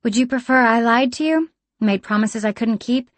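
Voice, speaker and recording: A woman doing a measured, deadpan tinkerer. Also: on the high side, no room sound, pitched above the performer's own voice, lightly acted. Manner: careful, measured, slightly formal.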